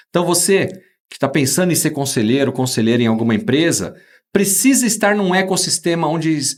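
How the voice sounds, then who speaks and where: A man hosting a podcast interview, talking with enthusiasm and emphasis. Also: a little high. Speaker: host.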